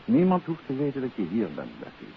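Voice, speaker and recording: A confident gentleman detective in a 1950s radio play. His mid-pitched voice moves with very lively intonation, on a dull old recording with clear hiss. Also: a little fast. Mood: reassuring, firm. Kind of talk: 1950s radio drama acting.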